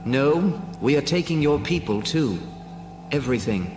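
A man voicing a sorrowful male alien rebel leader in a read-along story, speaking in a grave, measured way. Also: medium pitch, expressive, in a large hall, lightly acted. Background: music.

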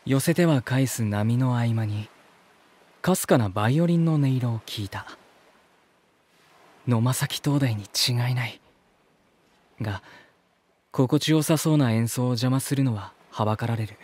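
Polite earnest narrator dude, bit husky, reflective audio drama storytelling. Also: male voice, medium pitch, a little slow, long pauses, darkish tone. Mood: reflective narration. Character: earnest, polite man recounting his journey.

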